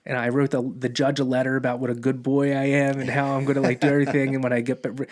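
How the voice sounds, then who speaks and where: A man's voice: medium pitch, little pitch movement, fast talker. A man, a police officer and podcast guest, telling a long personal story in casual conversation, rambling with many restarts and acting out quoted dialogue.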